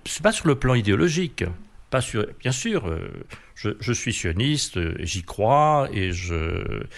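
A man's voice: lowish voice, big pitch swings, measured pace, creaky. A man with a French accent, a guest giving thoughtful, hesitant answers in an interview. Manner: hesitant, thoughtful, many fillers and restarts. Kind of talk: reflective conversational interview.

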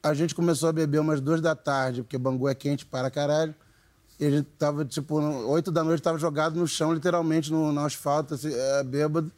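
Animated Rio man telling rambling anecdotes. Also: fairly high pitch, brisk. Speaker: band member, guest. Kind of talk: casual storytelling in an interview.

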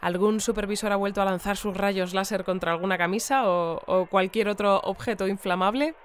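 Actress playing female news host, Castilian Spanish accent, polite, conversational, mid-pitched, audio fiction, faint ambient noise behind. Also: a little fast, close to an everyday voice. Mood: courteous, brisk. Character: courteous, sympathetic female radio news presenter. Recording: clear background noise and ambience.

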